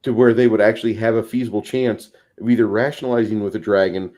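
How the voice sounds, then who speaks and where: Mellow, low-voiced man explaining things. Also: steady tone, fast talker. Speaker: tabletop gaming discussion panelist. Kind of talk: casual panel discussion.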